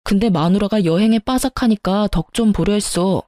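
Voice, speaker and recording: A woman voicing a husband who defends his mother and snaps at his wife, in a mellow, dry voice. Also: medium pitch, normal speed, dry recording, lightly acted. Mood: irritated. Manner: irritated, accusing. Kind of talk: storytelling radio.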